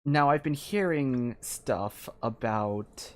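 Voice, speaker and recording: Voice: medium pitch, animated, takes it slowly. A game streamer talking casually and thinking aloud, in an informal, hesitant and rambling way. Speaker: livestreamer playing a game.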